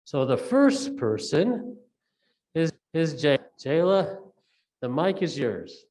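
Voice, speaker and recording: A man's voice: on the high side, big pitch swings, slow pace, darkish tone. A man on the school staff introducing an interview and thanking the students and advisors. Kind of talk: introducing an event.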